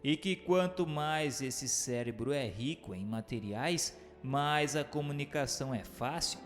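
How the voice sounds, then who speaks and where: A man narrates at a middling pitch, with music behind him. His reading is formal and measured, like a teacher setting out a scripted text for radio.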